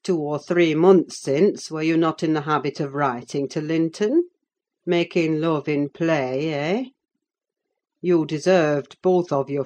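A woman voicing a cold, scornful middle-aged man who speaks slowly and deliberately in an audiobook. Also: low voice, darkish tone. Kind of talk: audiobook character reading.

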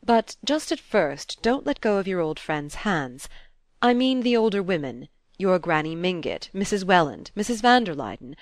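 A gentle, earnest young gentleman, as a woman reader gives him voice, soft and reassuring in a dry, close audiobook recording. The voice stays low and measured, barely shifted from the narrator's own. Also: very animated, dry recording.

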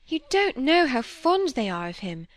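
A woman's voice: sits high, very animated, moderate pace, no room sound, pitched above the performer's own voice. A woman reading aloud, voicing a prim, fussy middle-aged stepmother who scolds in an affected, snobbish way. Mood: shocked reproof.

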